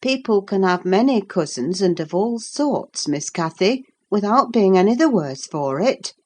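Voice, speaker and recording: A sensible, firm housekeeper, as a woman reading aloud puts her on. She speaks in a reproving, measured manner, with lively pitch.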